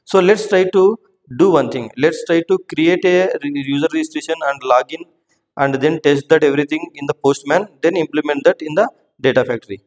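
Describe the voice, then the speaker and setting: Man, tech tutorial instructor, explanatory, restarts words, slightly high pitch, reverberant room. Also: fairly quick. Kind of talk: screen-share tech tutorial.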